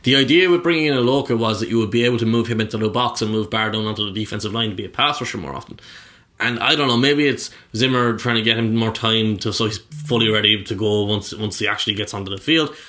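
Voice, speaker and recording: A man's voice: lowish voice, steady tone, quick pace, sharp tone. A man co-hosting a casual sports podcast, teasing his partner and breaking down games in detail. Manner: teasing, laughing along, analytical. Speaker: podcast co-host.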